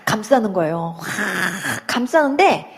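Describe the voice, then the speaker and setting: A woman giving an emotional religious testimony, telling her story with animated storytelling and acting out her own past words. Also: medium pitch, measured pace. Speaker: church testimony speaker.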